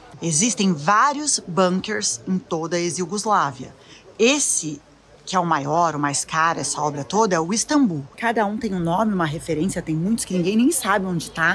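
A woman speaks at a moderate pace with lively intonation. The sound is dry with no echo, over light background noise. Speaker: travel vlogger. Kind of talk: casual vlog chat. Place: open country. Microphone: phone near.

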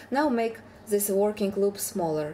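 A dark, mellow tone with a Ukrainian accent. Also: woman. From Ukraine. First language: Ukrainian or Russian. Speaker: crochet designer and teacher. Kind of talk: live-streamed crochet tutorial. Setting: live stream with chat. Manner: hesitant, many fillers.

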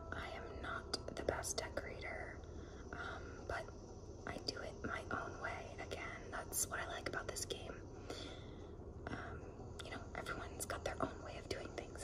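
Loud background noise surrounds the recording. A woman speaks over it at a moderate pace. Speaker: asmr creator. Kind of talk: ASMR whispered gameplay tour. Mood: happy, enthusiastic. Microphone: phone near.

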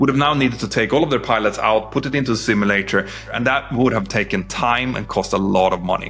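A man talks very fast with ordinary pitch variation while faint music plays in the background. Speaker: remote interview guest. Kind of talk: interview answer. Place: home room. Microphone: webcam.

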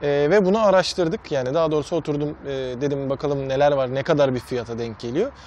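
At a fairly quick pace, a man talks in a dry sound with no echo over light background noise. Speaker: tech reviewer. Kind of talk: tech commentary to camera. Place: garden. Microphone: lapel.

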